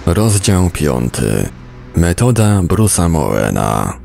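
A man's voice: deep voice, sing-song, slow pace, creaky, mellow, a little hiss or hum. A man reading a book aloud as scripted narration for a podcast. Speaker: audiobook reader, podcast narrator.

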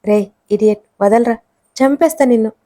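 Woman narrator playing a quick-tempered young woman, scolding. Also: mid-range voice, flat delivery, no echo, natural voice. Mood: angry. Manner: sharp and scolding.

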